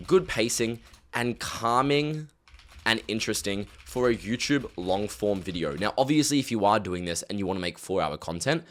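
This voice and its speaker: Lively low-voiced man explaining a tutorial. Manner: chatty, direct, filler-heavy instructions. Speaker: YouTube automation coach. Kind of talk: casual screen-recorded tutorial.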